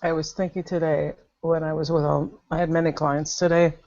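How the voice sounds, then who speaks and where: A woman's voice: sits low, level tone, fairly quick, a little mellow, lo-fi sound. A woman talking casually in a spiritual conversation, telling a story with lots of laughter and animation. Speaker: satsang participant.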